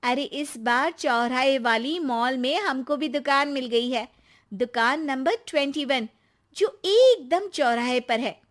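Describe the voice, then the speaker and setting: A woman voicing a chatty, excitable young daughter-in-law in a storybook cartoon. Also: high-pitched, slow pace. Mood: boastful. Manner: excitable, boastful.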